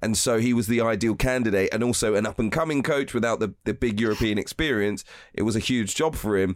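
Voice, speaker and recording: A man speaks very fast at a medium pitch, with ordinary pitch variation and very even loudness. The recording is very clean, with a silent background. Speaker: football podcast host. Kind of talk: casual chat.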